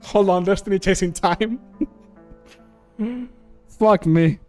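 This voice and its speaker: Higher-pitched man chatting over music. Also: takes it slowly, darkish tone. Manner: rambling, swears casually, often chuckling. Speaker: streamer and mod maker. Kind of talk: casual livestream chat. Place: small home room, indoors. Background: background music.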